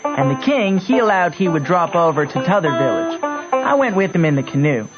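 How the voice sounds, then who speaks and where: A man's voice: on the high side, sing-song, a little fast, loud music behind the voice. An actor playing a wry, plain-spoken country boy who narrates his adventures in folksy dialect for a radio drama. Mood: dry, observant. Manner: folksy ungrammatical drawl, matter-of-fact. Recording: muffled old radio recording.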